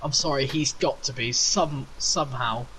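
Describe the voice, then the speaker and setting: A man's voice: mid-range voice, normal speed, bright, forceful tone, slight background noise, low-quality recording. A man hosting a casual racing podcast, chatty and teasing, laughing often. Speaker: podcast host.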